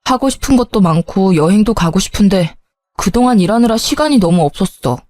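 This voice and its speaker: A woman's voice: medium pitch, expressive, brisk, darkish tone, dry recording, natural voice. A woman voicing an irritable young husband who brushes things off and scolds. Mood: apologetic. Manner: curt and scolding, then sheepish.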